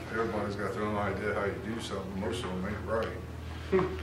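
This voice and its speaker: A man talking very fast amid noticeable background noise and audible room echo. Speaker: church member. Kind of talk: testimony. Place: church. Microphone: camera far.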